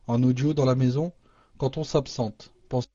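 A man's voice: mid-range voice, fairly even intonation, normal speed, mellow, dry recording. A man moderating an online call, reading listener questions aloud with restarts and Arabic religious phrases. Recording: muffled lo-fi audio.

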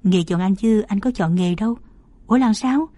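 A woman's voice: medium pitch, normal speed, dark tone, no echo, close to an everyday voice. A woman reading the part of a teasing young male journalist in playful, self-mocking banter. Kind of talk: audiobook character reading.

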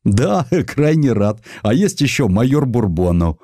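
A man's voice: mid-range voice, very animated, a little slow, mellow, no room sound, studio quality, voice pushed up. Male narrator as easily indignant, bookish provincial gent, swooping intonation, exclamatory old-world courtesy, literary storytelling. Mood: eager. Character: well-read, talkative provincial gentleman, easily indignant.

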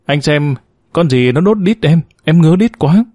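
A man's voice: high-pitched, animated, unhurried, mellow, no echo, studio quality, pitched above the performer's own voice. A man voicing a brash young country wife. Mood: whining. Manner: raised, strident delivery. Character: brash young country woman, blunt and crude.

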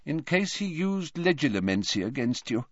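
A man's voice: fairly high pitch, sing-song, normal speed, no room sound, dull audio, voice pushed up. A man voicing a frail old male headmaster wizard who speaks lightly and courteously. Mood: gentle.

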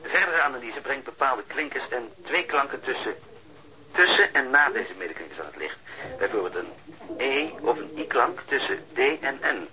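A pedantic male sound technician in a radio drama. His voice is very bright and forward, at a middling pitch. He talks on the telephone in a chatty, hesitant way, laying things out step by step. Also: expressive, moderate pace, poor audio. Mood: explaining, polite.

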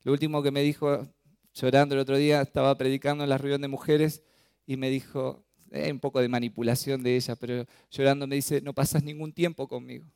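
Expressive pastor, smooth voice. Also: male voice, mid-range voice, fairly quick, dry recording, studio quality. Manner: expressive preaching, acting out quoted voices. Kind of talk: sermon.

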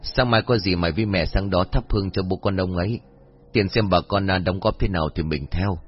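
A man's voice: sits low, a little fast, a little hiss or hum, natural voice. A man voicing a fussy, practical older village mother who scolds her son. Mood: scolding. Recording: dull lo-fi audio with faint music.

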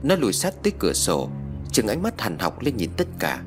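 A male storyteller who narrates a ghost tale with dramatic flair. His pitch swings in lively arcs, and soft music plays quietly beneath him. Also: brisk.

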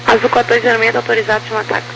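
A woman's voice: on the high side, flat delivery, racing, vocal fry. A woman with a Brazilian accent working as an air traffic controller, speaking clipped phraseology over a crackly, military-sounding two-way radio. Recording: crackly noisy aviation radio with hum.

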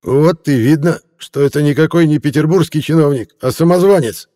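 A man's voice: a little high, a little fast, mellow, voice pushed up, close to an everyday voice. A man voicing a tipsy, insolent newspaper reporter who slurs and mocks in old-fashioned phrases. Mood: mocking. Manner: slurring, mocking, pompous old-fashioned phrasing. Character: drunken, insolent young male newspaper reporter.

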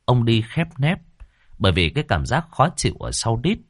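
A man's voice: medium pitch, sing-song, normal speed, dry recording, clean studio sound. A man narrating a horror story with a dramatic, suspenseful delivery. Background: faint background music.

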